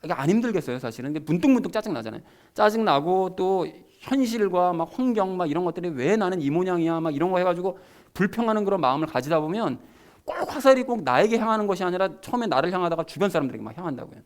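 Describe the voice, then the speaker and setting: A man's voice: high-pitched, animated, fast. A man preaching a sermon as pastor, talking conversationally and emphatically to his congregation.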